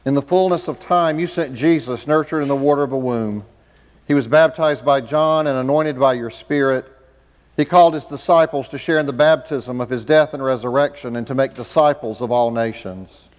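Male pastor praying in cathedral-like echo. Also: mid-range voice. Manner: measured, ceremonial phrasing. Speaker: pastor leading a baptism. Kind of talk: church liturgy, formal spoken prayer. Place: large church sanctuary. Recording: echoey church hall, long reverb.

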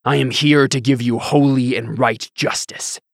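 A man's voice: medium pitch, steady tone, a little slow, creaky, no room sound, studio quality. A man voicing a grim, righteous holy knight who speaks in a stern, menacing, controlled way. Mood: stern menace.

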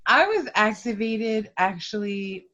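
A middle-aged woman, a guest on an interview show, talking in a hesitant, thoughtful way with many pauses and ums. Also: medium pitch, animated, a bit bright, lo-fi sound. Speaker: guest, activist. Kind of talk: conversational interview.

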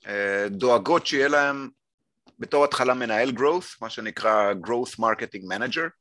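Podcast guest: male, forties, Israeli accent, mid-pitched, casual explainer with hesitant, stop-start phrasing. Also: sharp tone. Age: 40s. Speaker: podcast guest, marketing consultant.

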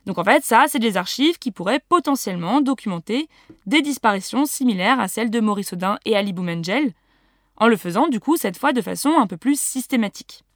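A woman explains in a casual, conversational way with a slightly high voice. The recording is dry and close to the mic. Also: expressive, a little fast, no room sound. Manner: casual, with fillers.

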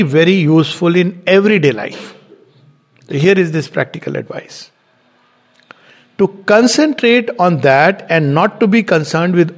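A middle-aged man giving an earnest spiritual talk, repeating words for stress. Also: fairly high pitch. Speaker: spiritual lecturer.

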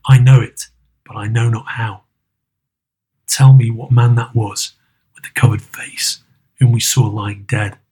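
A man voicing a frightened old miser in an audiobook, pleading in a hushed, half-whispered voice. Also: mid-range voice, fairly even intonation, unhurried, pauses often, slightly rough, pitched below the performer's own voice.

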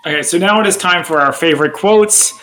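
A man's voice: sits high, brisk, bright, forceful tone. A man hosting a podcast in casual chat, playful and self-mocking as he moves through the segments. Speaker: podcast host.

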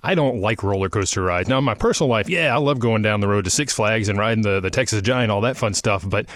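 A man's voice: fairly low pitch, fast, a bit bright, dry recording. A man in his thirties filling in as radio show host, friendly and a little rambling in his questions. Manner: friendly, rambling, with frequent restarts. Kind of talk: radio interview hosting.

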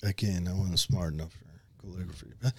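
A man's voice: low voice, steady tone, brisk, darkish tone, husky. A man with an Appalachian hillbilly accent chatting casually as a talk show co-host, folksy, rambling and self-deprecating. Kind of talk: casual chat, reading out listener comments.

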